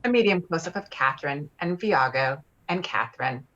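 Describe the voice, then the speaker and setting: A woman reading screenplay directions at a table read in a plain, halting way. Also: low voice, animated, a bit bright. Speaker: stage directions reader. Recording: slightly dull, lo-fi audio.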